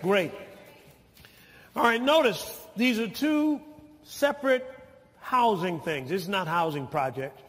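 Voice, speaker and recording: An older male pastor with an unusually high, bright and forceful voice preaches in a slow, deliberate cadence. He rises to shouted passages and calls his congregation to say amen. The sound rings with the long reverb of a large church sanctuary. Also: animated. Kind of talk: sermon.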